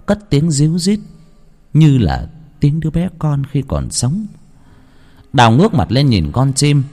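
A man narrating a ghost story in a slow, somber, scripted way. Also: mid-range voice, mellow. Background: faint music.

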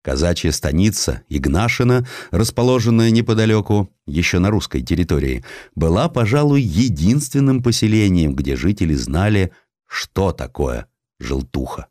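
A man narrating historical tales as a literary audiobook, with an expressive, dramatic storytelling delivery. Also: low voice, moderate pace, no room sound, studio quality.

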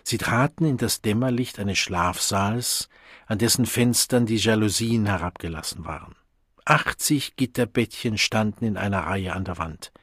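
Rauchiger Hörbuch-Erzähler. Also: male voice, fairly low pitch, a bit bright, no echo, clean studio sound. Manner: measured, clear reading. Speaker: narrator. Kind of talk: audiobook narration.

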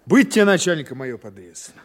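A man playing a wry, unhurried criminal investigator in an audio drama, bantering yet courteous. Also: a little high, very animated. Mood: dryly joking. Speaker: actor in an audio play. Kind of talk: naturalistic audio drama dialogue. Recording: reverberant hall with faint noise.

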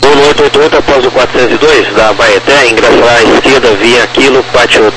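Fast male ground controller, very noisy radio. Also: mid-range voice. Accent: Brazilian. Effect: air traffic radio transmission. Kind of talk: rapid procedural air traffic instructions. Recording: very noisy air traffic radio.

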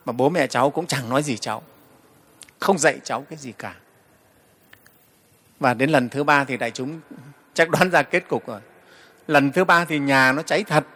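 Man, monk's sermon, storytelling, slightly high voice, hall reverb. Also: a bit bright. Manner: storytelling, frequent "đấy" fillers, addresses the assembly. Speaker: Buddhist monk teacher. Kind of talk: dharma talk.

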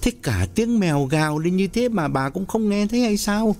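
A man's voice: fairly high pitch, big pitch swings, moderate pace, a little mellow, voice pushed up. A man playing a frightened, worn-out older husband who speaks wearily and irritably. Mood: weary fearful. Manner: weary, irritable, anxious.

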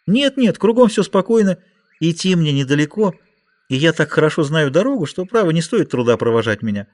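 Audiobook heroine, young and devout, voiced high by a male narrator; lively, shifting lilt. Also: fairly quick. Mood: tender. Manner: raised pleading voice. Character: frightened young woman, gentle and devout.

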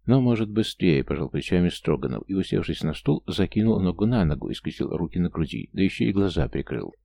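A man reading a first-person audiobook in a calm, even storytelling manner, recorded close on a studio mic. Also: low-pitched, quick pace, gravelly. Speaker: audiobook narrator.

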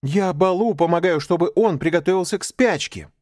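A man voicing an excitable jungle boy in an audiobook, pleading in a raised voice. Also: high voice, moderate pace, no room sound, studio quality, voice pushed up, close to an everyday voice. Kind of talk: audiobook character voice.

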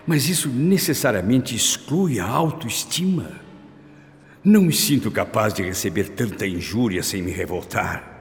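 An actor playing a tormented, repentant middle-aged father in a Brazilian radio drama, speaking solemnly and earnestly with deliberate phrasing. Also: medium pitch, creaky, a little hiss or hum. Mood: anguished, pleading. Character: tormented, repentant father seeking faith and self-control.

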